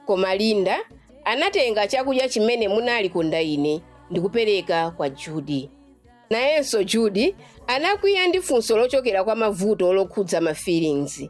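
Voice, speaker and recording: A woman's voice: mid-range voice, sing-song, moderate pace. A woman reading scripted narration for a radio drama series. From Malawi. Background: music.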